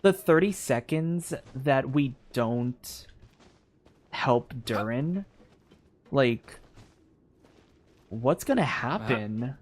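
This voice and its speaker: A man's voice: mid-range voice, lively intonation, drawn-out words, pauses often. A man streaming a game with casual, rambling commentary, thinking aloud as he goes. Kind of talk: casual live gameplay commentary.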